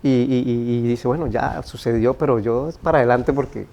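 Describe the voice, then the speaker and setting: A man's voice: medium pitch, fairly even intonation, moderate pace, warm tone. A man hosting the interview, chiming in with brief comments that agree with and finish his guest's thoughts. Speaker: host. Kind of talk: conversational interview.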